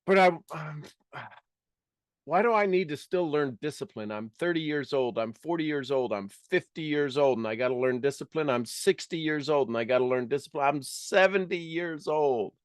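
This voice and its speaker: A man's voice: on the high side, lively intonation, moderate pace, dry recording, clean studio sound. Emphatic man leading a live workshop. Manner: emphatic, repeats key words, casual asides. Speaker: motivational workshop speaker. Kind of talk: live seminar teaching to an audience.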